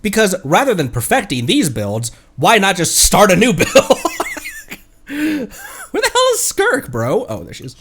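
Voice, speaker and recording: A man's voice: high-pitched, huge pitch swings, a little slow, a bit bright, faint music behind. A man giving casual, rambling live game commentary and chatting playfully with viewers. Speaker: game streamer, VTuber.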